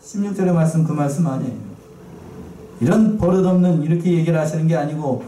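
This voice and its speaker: A male pastor talks fast in a mellow, high-leaning voice during a sermon in a church sanctuary, repeatedly questioning the congregation and echoing key phrases. It's recorded at a distance in a roomy space, with faint noise.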